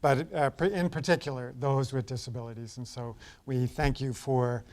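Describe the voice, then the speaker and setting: A male mayor speaks at a board meeting, formally congratulating an organization as he presents an award. His delivery is measured, with an occasional filler between phrases. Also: medium pitch, fairly even intonation, darkish tone. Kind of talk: formal public remarks. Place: council chamber.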